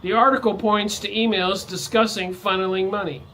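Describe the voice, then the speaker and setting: A man's voice: sits high, steady tone, moderate pace, bright, forceful tone, slight background noise, poor audio. A man vlogging in a ranting monologue, his voice jumping up sharply on stressed words. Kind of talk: monologue to camera.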